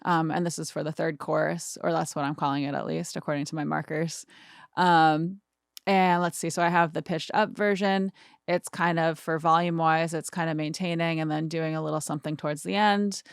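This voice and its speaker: Low, creaky-voiced woman explaining casually. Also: fairly even intonation, moderate pace, no room sound, studio quality. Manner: informal, thinking aloud while demonstrating. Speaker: music mixing tutorial host. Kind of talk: casual screen-share tutorial talk.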